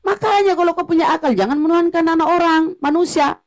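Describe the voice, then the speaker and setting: A woman's voice: extremely high pitch, fast. A woman arguing in a heated religious debate, mocking and confrontational, hammering the same points. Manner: mocking, confrontational, repetitive jabs.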